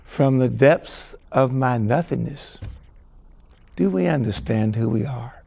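A man opens a religious TV program with a solemn devotional reading. He speaks slowly and with weight. A gravelly edge runs through his voice. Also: medium pitch, warm tone. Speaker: announcer introducing the show.

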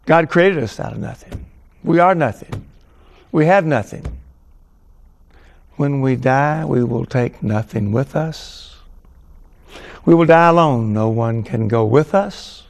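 Slow, gravelly male announcer. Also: mid-range voice. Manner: solemn, deliberate reading. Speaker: announcer introducing the show. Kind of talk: devotional reading.

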